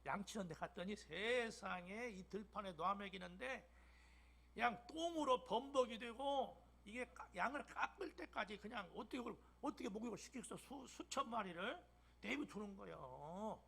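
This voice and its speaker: An older man in his sixties with a Jeolla dialect, preaching a sermon as a pastor in church, with emphatic bursts and soft whispered drops. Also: high-pitched, animated, moderate pace, creaky, slightly rough. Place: church sanctuary.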